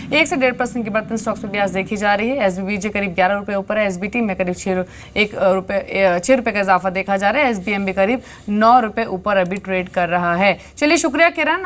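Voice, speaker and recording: A woman business news anchor presenting live market news in a brisk, fluent way, mixing English terms into Hindi. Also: mid-range voice. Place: television studio.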